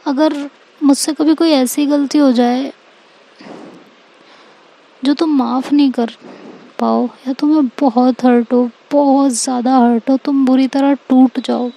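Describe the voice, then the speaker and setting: Brief: woman narrator playing an anxious, stammering teen girl, mellow and slightly high. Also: steady tone, a little slow, vocal fry, pauses often, full character voice, poor audio. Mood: nervous. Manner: hesitant, stammering. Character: teenage girl Ishika, nervous, guilt-ridden, loving.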